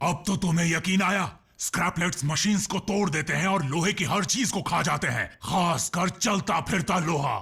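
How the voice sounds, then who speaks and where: In a put-on character voice, a man with a high pitch speaks at a moderate pace with hardly any pauses. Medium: fan dub.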